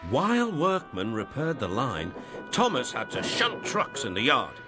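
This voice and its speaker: A man's voice: mid-range voice, huge pitch swings, unhurried. British man narrating a storybook. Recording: music playing behind.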